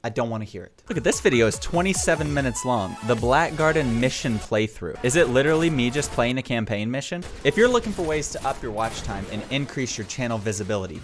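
A young man in his twenties, a gaming YouTuber, commenting on his old videos with animated, self-mocking asides into a headset mic at home. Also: medium pitch, fast talker, hardly any pauses, music in the background. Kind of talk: reaction commentary. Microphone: headset with boom mic.

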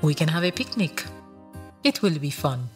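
Woman acting low-voiced, elegant vampire seductress. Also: very animated, normal speed. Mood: teasing, inviting. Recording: music clearly behind the voice.

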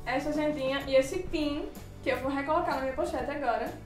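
High-pitched woman gushing over gifts, roomy echo, mic kinda far, soft music behind. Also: quick pace. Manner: excitable, exclamatory. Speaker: channel host. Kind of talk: casual gift unboxing chat.

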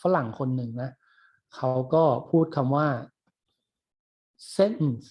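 A man's voice: medium pitch, steady tone, moderate pace, darkish tone. A middle-aged man giving a recorded university lecture, explaining a video clip in a casual way with blunt joking asides.

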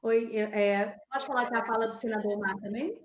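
A woman's voice: fairly high pitch, fairly even intonation, brisk, dull audio, slight background noise. A woman in her thirties with a Brazilian accent, giving live political commentary over a video call, thinking aloud with many fillers and restarts. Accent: Brazilian Portuguese. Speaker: political columnist. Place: home office with map on wall. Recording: echoey room.

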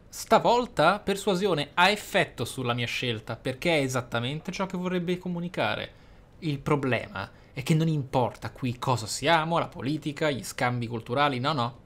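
A man's voice: medium pitch, fairly bright tone. A man giving reflective, emphatic let's play commentary as a gaming host.

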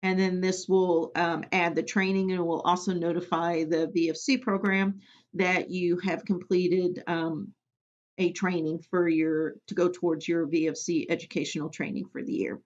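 Woman giving a plain software walkthrough. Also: lowish voice, level tone, normal speed. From Missouri. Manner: plain step-by-step instructions with frequent ums. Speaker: immunization program trainer. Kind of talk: screen-recorded software tutorial. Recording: dull lo-fi audio.

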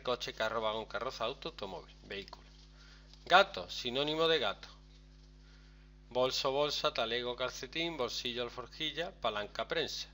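A man's voice: medium pitch, a little hiss or hum. A man, teaching a class in a chatty, step-by-step way and often checking in with his students. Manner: lively, chatty, explains step by step with frequent "¿vale?". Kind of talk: screen-recorded software lesson.

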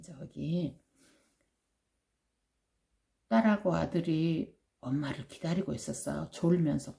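Bedtime storyteller, woman, dark gravelly voice, slow and gentle. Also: low-pitched. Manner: slow, gentle, whispering asides. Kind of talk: bilingual bedtime story reading.

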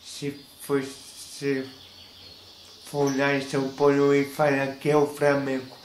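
Slow, flat-voiced young man with a Carioca accent. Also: medium pitch. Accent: Carioca Portuguese. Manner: slow, halting, explaining word by word. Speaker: YouTuber. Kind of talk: casual vlog, teaching slang to the camera. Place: small room indoors. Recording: roomy echo, faint hiss.

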